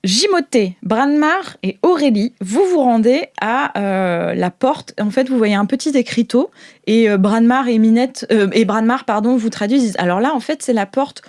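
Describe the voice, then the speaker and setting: High-voiced woman running a roleplaying game. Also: animated, moderate pace, darkish tone. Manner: informal, improvising aloud. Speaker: game master. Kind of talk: improvised narration of a tabletop roleplaying game.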